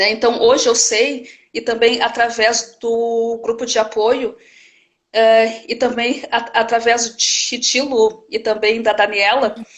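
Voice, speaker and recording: A woman talks at a very slow pace in a flat monotone, her pitch fairly high. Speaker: teacher who stutters. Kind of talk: live interview. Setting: online live stream. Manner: halting, many fillers and repetitions.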